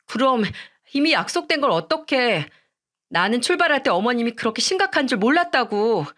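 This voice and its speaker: A woman's voice: a little high, sing-song, fairly quick, a bit bright, pitched above the performer's own voice. A woman voicing a selfish young wife who talks back in a whiny, defiant way and begs when cornered, in a storybook radio reading.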